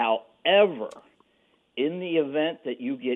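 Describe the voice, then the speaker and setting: This man talks with ordinary pitch variation. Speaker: retired insurance agent. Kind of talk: radio call-in. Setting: phone call.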